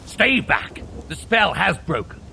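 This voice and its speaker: An actor playing a vengeful, gloating dark elf sorcerer with theatrical, menacing delivery in an audio adventure. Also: male voice, sits high, very animated, slow pace, gravelly, slight background noise, full character voice, low-quality recording. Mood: desperate fury. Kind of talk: dramatic audio adventure acting. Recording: loud music and effects bed. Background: loud dramatic music.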